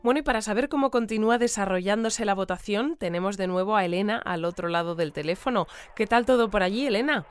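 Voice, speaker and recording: An actress playing a courteous, sympathetic radio news presenter in an audio drama, with a Castilian Spanish accent and a conversational manner. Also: female voice, mid-range voice, fast talker, hardly any pauses, soft background music, natural voice. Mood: courteous, brisk. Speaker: news bulletin host. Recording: clear background noise and ambience.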